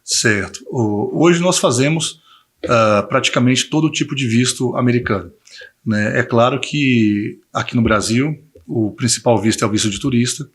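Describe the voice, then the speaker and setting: Husky Brazilian man in his forties. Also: mid-range voice, moderate pace. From Bahia, Brazil. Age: 40s. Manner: frequent tag questions. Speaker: interview guest, visa consultancy owner. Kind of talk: conversational interview answers.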